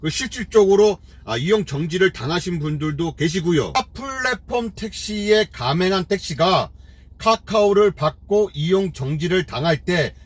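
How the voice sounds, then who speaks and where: A man's voice: high-pitched, expressive, normal speed, slightly rough, no echo. A middle-aged man, a taxi driver hosting his own channel, delivers an opinionated commentary full of scolding rhetorical questions and fillers.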